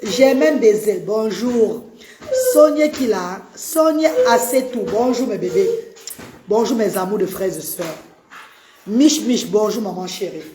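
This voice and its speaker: A woman's voice: mid-range voice, lively intonation, a little slow, warm tone, echoey room, a little hiss or hum. A woman, an autism advocate talking on a live stream, effusively greeting viewers and pleading for shares.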